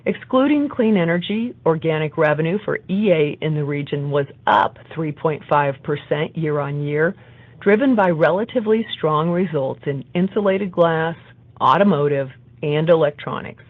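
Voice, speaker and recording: A woman executive reading a scripted business presentation in a formal, measured way. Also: low voice, animated, no room sound, narrow, tinny audio. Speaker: company executive. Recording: band-limited conference call audio.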